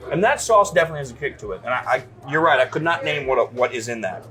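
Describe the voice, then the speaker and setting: A man hosts a casual tasting segment inside a diner, gushing over the dishes and joking around. His speech swings widely in pitch as he talks, sometimes through a mouthful of food. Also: expressive, quick pace, bright, forceful tone. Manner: enthusiastic, jokey, talks while eating. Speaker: food show host.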